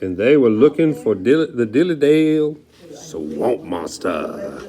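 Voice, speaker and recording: A man's voice: mid-range voice, very animated, slow, dark tone. A man reading a children's book dramatically, in a folksy, theatrical way with chatty asides. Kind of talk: animated dramatic read-aloud.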